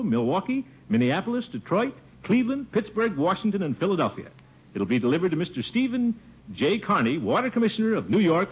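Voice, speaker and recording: A man's voice: sits high, breathy edge, full character voice. An actor playing a boastful, pompous middle-aged male water commissioner in a 1950s radio sitcom, chuckling and sputtering as he talks. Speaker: lead character. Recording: muffled old radio broadcast with music.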